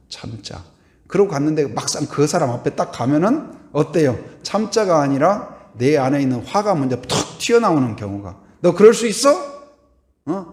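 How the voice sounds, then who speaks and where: Pastor, male, higher-pitched, very animated sermon delivery, echoey church hall. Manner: asks the congregation questions and has them repeat lines; swings between hushed and loud delivery. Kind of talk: Sunday sermon. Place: church sanctuary.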